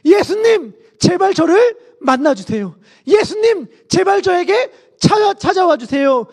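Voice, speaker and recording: A man voicing a desperate blind male beggar who shouts and pleads to be noticed. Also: very high voice, big pitch swings, unhurried, gravelly, pitched above the performer's own voice, exaggerated voice. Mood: desperate pleading.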